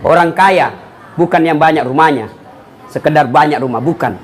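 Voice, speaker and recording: A man delivers a humorous sermon to a live gathering, acting out the people in his anecdotes. His voice sits high and jumps around as he tells his stories. A faint hum of room ambience lies behind him. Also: moderate pace. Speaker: preacher.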